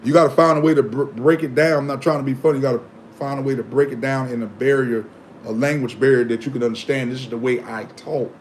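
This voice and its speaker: Animated, preachy man on a live stream. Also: mid-range voice, fast talker, a little hiss or hum. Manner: preachy, animated, repeats himself. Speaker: livestream host. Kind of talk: casual live-stream chat.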